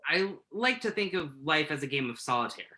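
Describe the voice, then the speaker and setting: A man's voice: on the high side, big pitch swings, a little fast, bright, forceful tone, heavily acted. A man acting the part of a nervous, earnest entertainment journalist in a conversational play reading, tentative and thoughtful as he interviews. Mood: tentative, musing. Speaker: actor in a virtual staged reading.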